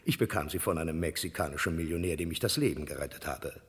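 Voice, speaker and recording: A deep-voiced boasting swindler. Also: male voice, fast talker, big-room sound. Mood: boastful. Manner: tall tales, smooth patter. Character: boastful street swindler selling a watch.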